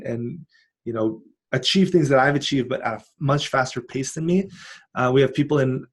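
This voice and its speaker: A man who hosts a coaching channel, talking casually and earnestly in an encouraging, conversational monologue. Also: medium pitch. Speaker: online coach and channel host. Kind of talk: casual monologue recapping personal goals.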